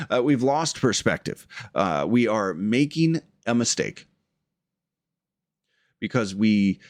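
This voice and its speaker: Low-voiced man, earnest informal spiritual teacher, dry close recording. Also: no echo. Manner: earnest, reflective, with fillers and pauses.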